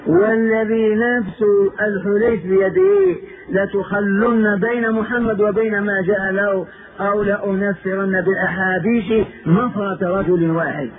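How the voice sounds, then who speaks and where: Angry tribal chieftain as a high-voiced preacher puts him on, slow solemn oaths, tinny old tape. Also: male voice. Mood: indignant. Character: proud angry Arab tribal chief, grown man.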